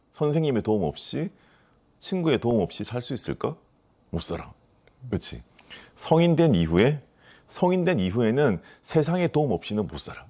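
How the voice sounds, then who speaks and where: A man's voice: medium pitch, warm tone. A man with a regional Korean dialect explaining life lessons conversationally as an author, emphatic and full of rhetorical questions. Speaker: author giving life advice.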